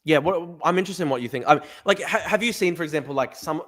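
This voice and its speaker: An Australian man hosting a live-stream podcast, talking rapidly and emphatically with lots of fillers and restarts. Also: fairly high pitch, a bit bright. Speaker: podcast host. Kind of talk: live stream chat, reading viewer comments.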